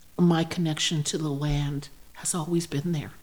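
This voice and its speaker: A woman's very deep, low, somewhat breathy voice, monotone and flat, at a moderate pace. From southern Alberta, Canada (Blackfoot reserve). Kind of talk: casual interview, storytelling.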